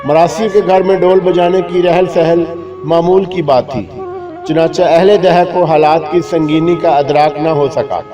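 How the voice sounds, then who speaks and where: A man reading a scripted humorous moral tale in a measured, literary, mock-solemn storytelling manner. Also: fairly high pitch, fairly even intonation. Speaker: story narrator. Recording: dull lo-fi recording with music behind. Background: clear background music.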